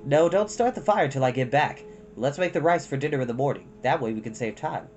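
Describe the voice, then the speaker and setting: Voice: medium pitch, expressive, brisk, darkish tone, faint music behind, lightly acted. A storyteller voicing an easygoing, kindly father in a children's story. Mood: reassuring. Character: easygoing, kindly father of two young girls.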